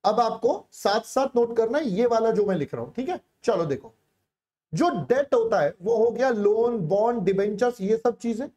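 A man's voice: extremely high pitch, lively intonation, normal speed, dark tone. A male teacher leads a live online class in a coaxing, repetitive way. He checks in often and slips English phrases into his explanations. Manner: coaxing, repeats phrases, calls students "beta".

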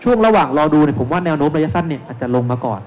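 Speaking very fast with lively intonation, a man in his thirties with a fairly high, darkish voice presents as a securities analyst on an investment seminar panel. He's on an indoor stage at a shopping mall expo, using a handheld mic and explaining step by step with plenty of polite particles. The recording has noisy live event sound.

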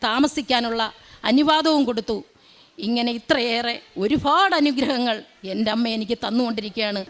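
A woman's voice: fairly high pitch, fairly bright tone. A middle-aged woman from Kerala giving an earnest church testimony, telling her story with lots of repetition. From Kerala, India.

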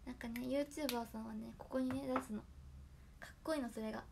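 A hoarse young woman chatting casually on her livestream, thanking viewers by name for their gifts. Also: on the high side, steady tone, fast talker, background noise. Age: young adult. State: hoarse after a nap. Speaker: idol livestreamer.

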